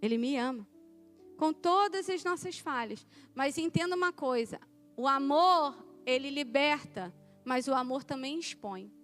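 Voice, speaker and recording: A woman in her thirties delivers a sermon in a casual, conversational manner that rises into emphatic preaching. Her voice sits very high. Soft music plays faintly behind her. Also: expressive, a little slow.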